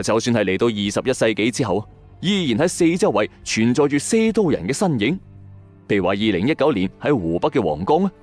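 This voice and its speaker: A man's voice: mid-range voice, darkish tone. Hong kong cantonese guy telling spooky legends, very up and down dramatic voice, faint music behind. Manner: dramatic storyteller addressing listeners, acting out quoted lines. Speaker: host of a late-night ghost story and urban legend show. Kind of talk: scripted storytelling narration of eerie tales. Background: background music.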